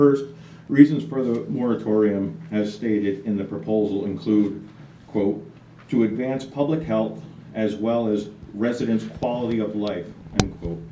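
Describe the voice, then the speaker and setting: A man with an American accent speaks at a fairly low pitch in a dark, mellow tone, at a fairly slow pace with ordinary pitch variation and audible room echo. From New York state, Hudson Valley. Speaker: masonry business owner. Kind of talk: public comment. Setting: town board meeting.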